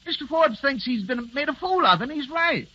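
An earnest, stammering businessman husband in an old 1930s radio play. His voice is high and very bright and swings widely in pitch, and the old broadcast sounds muffled and lo-fi. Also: lively intonation, normal speed, heavily acted. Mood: stern. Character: fretful businessman husband, fond but exasperated. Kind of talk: 1930s radio drama acting.

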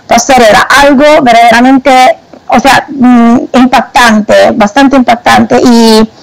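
Slow, hesitant Italian woman. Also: a little high, fairly even intonation, vocal fry, low-quality recording. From Italy. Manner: hesitant, many fillers and restarts. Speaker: guest. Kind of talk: phone-in interview testimony.

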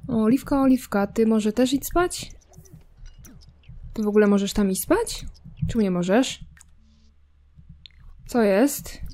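A woman's voice: a little high, slow, long pauses, dark tone. A woman casually commenting while playing a life simulation game, chatty and teasing, talking to her characters and their cat. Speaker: gameplay streamer.

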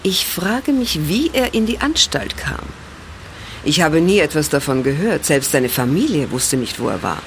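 An actress playing a spirited, publicity-shy woman in an audio drama, speaking in an expressive, questioning way. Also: deep voice, normal speed, slight background noise. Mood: puzzled, curious. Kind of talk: German audio drama acting. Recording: music under the voice.

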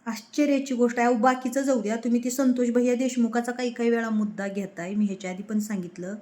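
A combative woman delivers a heated political rant. Her voice sits a little high. She fires off rhetorical questions and hammers the same phrases again and again. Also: fairly even intonation, quick pace, dark tone. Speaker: political commentator.

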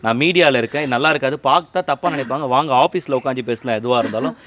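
A man's voice: mid-range voice, quick pace, a bit bright. A male TV anchor in a staged comic confrontation outdoors, flustered and exasperated, pleading to be left alone. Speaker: TV anchor, interviewer. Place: outdoors on a road.

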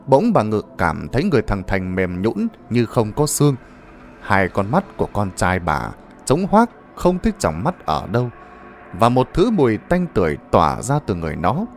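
A man's voice: fairly low pitch, huge pitch swings, moderate pace, faint music behind. A man narrating a ghost story in a dramatic, suspenseful manner.

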